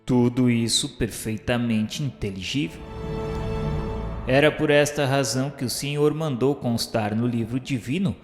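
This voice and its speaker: An actor playing a reverent, earnest spirit pupil who narrates a radio drama in a solemn, declamatory, literary style. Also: male voice, mid-range voice, measured pace, natural voice. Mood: earnest, preaching. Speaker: narrator character. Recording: echoey, long reverb. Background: music.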